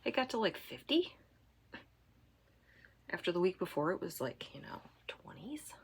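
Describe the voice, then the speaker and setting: Stuffy-nosed lady chatting about knitting at home, lowish voice, rambly and easygoing. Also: big pitch swings, normal speed, gravelly, breathy edge. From Michigan, USA. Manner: rambling and chatty, with fillers and soft trailing asides. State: congested. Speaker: knitting podcast host. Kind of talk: casual chat to camera.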